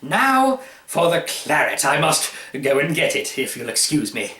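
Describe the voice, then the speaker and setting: A man's voice: on the high side, wildly swooping pitch, measured pace, pushed and bright, echoey room, full character voice. A man voicing a cheerful, boastful newly rich dinner host in a storybook reading, eager and showy as he goads a guest. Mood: brisk, pleased.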